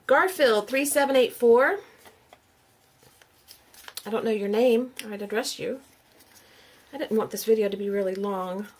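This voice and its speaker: A middle-aged woman talks on camera in a casual vlog, hosting a giveaway as a YouTube crafter. Pitched on the high side, she keeps a measured pace with long pauses while pronouncing names aloud and quizzing viewers.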